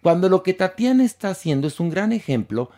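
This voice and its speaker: A Mexican man hosts a chatty gossip show with a teasing, lively manner. His voice sits on the high side and swings widely in pitch. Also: a little fast. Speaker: show host. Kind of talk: casual gossip chat.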